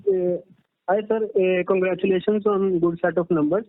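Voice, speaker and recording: A man's voice: high-pitched, very animated, normal speed, creaky. A man with an Indian accent phoning into a conference call as an individual investor, asking questions hesitantly. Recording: dry, tinny phone line.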